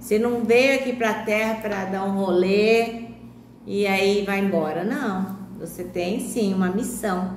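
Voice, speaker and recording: The speech comes at a very slow pace with fairly even intonation. Audible room echo and noticeable background noise are present. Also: woman, medium pitch for a woman. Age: 60s. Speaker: Bible study teacher. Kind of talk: devotional Bible talk. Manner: casual conversational.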